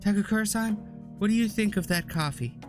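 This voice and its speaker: A man's voice: high voice, brisk, soft background music, voice pushed up, close to an everyday voice. A man voicing a polite, grieving young heiress in a formal, hesitant way.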